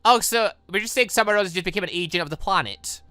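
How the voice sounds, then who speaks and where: A man's voice: high voice, quick pace, bright, forceful tone, smooth, no echo. A man hosting a gaming video, reading a visual novel aloud theatrically with commentary and stumbling over the odd line. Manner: theatrical, exclaiming, stumbling over read lines. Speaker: gaming channel host.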